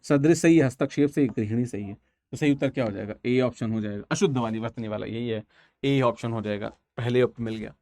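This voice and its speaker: A man's voice: mid-range voice, fairly quick, darkish tone, no echo. A man teaching an online exam-prep language class, talking casually and repeating each answer several times.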